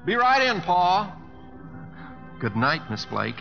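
A man's voice: high-pitched, huge pitch swings, slow pace, vocal fry, faint music behind, exaggerated voice. A man playing an easygoing, rebellious young cowboy in a radio drama, with a folksy, wry Western American drawl. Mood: polite, easygoing. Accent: American rural Western drawl. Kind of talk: 1950s radio drama acting. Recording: dull old radio broadcast recording.

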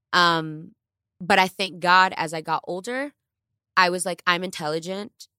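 On a studio podcast mic, a Bronx, New York woman with a low voice co-hosts a casual chat. She comes across candid and animated, with bursts of rising and dropping pitch, in studio-quality audio with no echo.

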